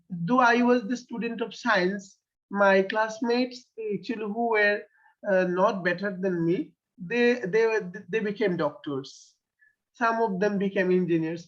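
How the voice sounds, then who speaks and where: A Bangladeshi-accented poet whose first language is Bengali answers interview questions haltingly, pausing often and restarting sentences with many fillers. His voice is high-pitched and fairly bright, though the recording itself sounds dull and lo-fi.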